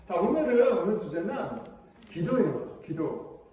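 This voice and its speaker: High-voiced pastor in an echoey hall. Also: male voice, measured pace, highs cut off. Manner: animated, playful, acts out whining children. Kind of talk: children's sermon. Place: church sanctuary. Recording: echoey hall from far off, faint noise.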